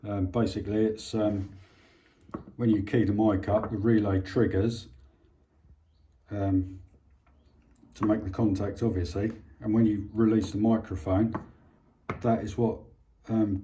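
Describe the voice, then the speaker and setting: A British man, a hobbyist presenting an electronics repair, gives a casual hands-on demonstration, informal and a bit hesitant as he thinks aloud while working. His voice is lowish and dark, with slight background noise.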